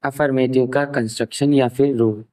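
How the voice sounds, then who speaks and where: A man's voice: mid-range voice, steady tone, normal speed, dark tone, low-quality recording. A young man from India with an Indian accent, teaching English grammar in an online class, explaining step by step and dictating examples word by word. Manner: mixes English terms into Hindi explanation.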